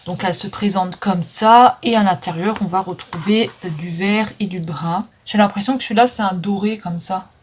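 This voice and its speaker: A vlogger selling makeup chats casually through a declutter, using frequent fillers and stumbling over English names. She speaks at medium pitch and a moderate pace with hardly any pauses. The phone recording carries background noise.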